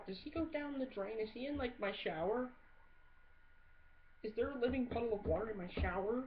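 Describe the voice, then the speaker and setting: Blunt woman rambling, muffled noisy recording. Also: mid-range voice. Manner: blunt, sweary, sarcastic. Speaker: amateur video blogger. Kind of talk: casual comedic rambling monologue. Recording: muffled audio with clear background noise.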